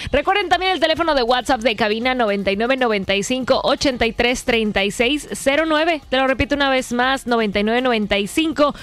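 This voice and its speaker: A woman radio host from Yucatán, Mexico, with a mostly neutral Mexican Spanish accent and a slight Yucatecan touch, chatting casually on air with many fillers. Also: high-pitched. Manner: chatty, filler-heavy, playful.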